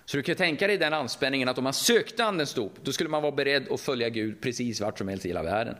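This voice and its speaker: A middle-aged Swedish man with a Västergötland accent, preaching a lively, conversational sermon and often asking the audience questions. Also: mid-range voice. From Sweden, Västergötland.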